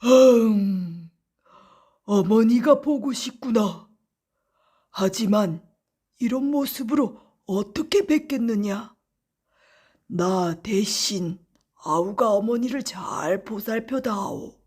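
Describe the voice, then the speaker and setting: A woman voicing a big, tender-hearted male tiger in a children's folktale, speaking slowly and solemnly. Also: mid-range voice, lively intonation, a little mellow, husky. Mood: moved, wistful. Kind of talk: children's folktale audiobook acting.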